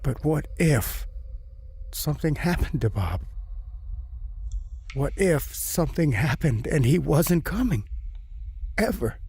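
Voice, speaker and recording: An actor playing a terrified male prisoner in a horror audio drama, brooding and halting as he recounts solitary torment and slips into panic. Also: a little high, big pitch swings, vocal fry, warm tone, slightly rough, exaggerated voice. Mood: rising dread. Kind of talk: first-person horror audio drama narration. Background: music.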